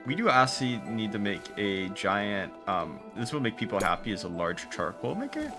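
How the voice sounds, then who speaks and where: A man's voice: fairly low pitch, very animated, moderate pace. A man giving casual video game commentary, fumbling for words as he trails off and restarts his sentences. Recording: music playing behind the voice. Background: game music.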